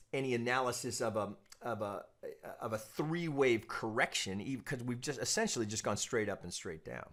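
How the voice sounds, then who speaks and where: A man giving an informal technical analysis lesson as a trading analyst, explaining in a measured, cautious way with repeated phrases and frequent check-ins. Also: mid-range voice, fairly bright tone. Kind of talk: informal technical analysis commentary over charts.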